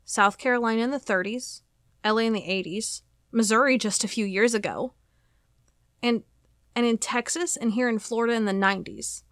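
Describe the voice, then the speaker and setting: A woman playing a determined, inquisitive FBI agent in an audio drama, speaking in a measured, probing, earnest way. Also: a little high, fairly bright tone, smooth, no room sound, studio quality, lightly acted. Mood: intent.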